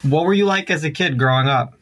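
A man's voice: on the high side, fast, a bit bright, no echo. A man, hosting a conversational podcast interview. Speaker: interview host.

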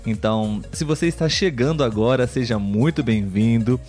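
A man's voice: mid-range voice, darkish tone, faint music behind. Brazilian man hosting a podcast. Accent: Brazilian Portuguese. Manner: friendly, clear and measured, often checking in with the co-host. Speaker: podcast host. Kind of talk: live podcast chat for language learners.

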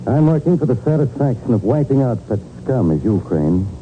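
An actor playing a righteous, unbending special prosecutor in a 1940s radio drama, crisp, scornful and declamatory. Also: male voice, mid-range voice, sing-song, a little fast, natural voice. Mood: scornful defiance. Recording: tinny old radio broadcast, faint noise.

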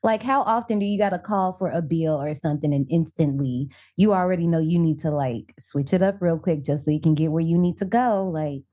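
Mellow, low-pitched African American woman chatting. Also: brisk, few pauses. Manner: slangy, animated storytelling with acted-out reactions. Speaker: podcast co-host reviewing short films. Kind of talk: casual chat.

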